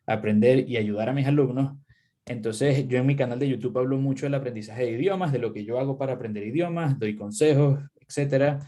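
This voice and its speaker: Young guy english teacher chatting, laid back, lots of "este", warm darkish voice. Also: mid-range voice. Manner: relaxed, conversational, uses many fillers. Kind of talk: casual advice in a live interview.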